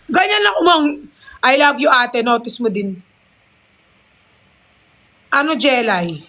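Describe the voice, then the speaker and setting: A young woman on a casual livestream, talking excitably into a phone and gushing thanks for gifts, mixing English into her talk. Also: a little high, slow pace. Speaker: live streamer.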